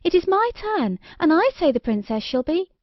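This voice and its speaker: Lady putting on a high snooty fairy w snakes in her bonnet, storybook, dry slightly muffled sound. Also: very animated, normal speed, dry recording, exaggerated voice. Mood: indignant. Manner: indignant, then gushing and falsely sweet. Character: shrill vain female fairy in a snake bonnet. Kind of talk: storybook reading. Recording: dry, slightly dull recording.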